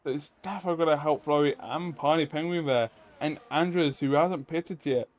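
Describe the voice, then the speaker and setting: A man works as a motorsport commentator, calling a race play-by-play in a fairly high voice. He follows each move and poses rhetorical questions as he goes. The audio is slightly dull and lo-fi. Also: a little fast. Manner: running play-by-play calls mixed with rhetorical questions.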